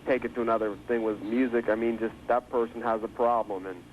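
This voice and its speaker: A record producer calling in by phone, speaking casually and hesitantly with many fillers, heard from a worn tape copy. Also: male voice, mid-range voice, little pitch movement, a little fast. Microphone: telephone. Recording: dull phone line on worn tape with hiss.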